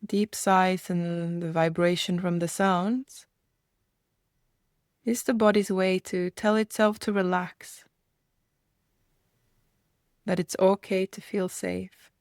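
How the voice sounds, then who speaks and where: A woman leading a guided meditation, speaking gently in soft invitations with reflective pauses. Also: on the low side, steady tone, no echo, clean studio sound.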